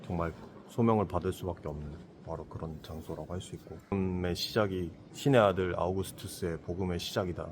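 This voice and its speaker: Speaking fast with few pauses, the man's voice sits low against slight background noise. He runs a Christian apologetics channel and is reflecting on a trip in casual conversation, sometimes performing imagined villagers with lively voices.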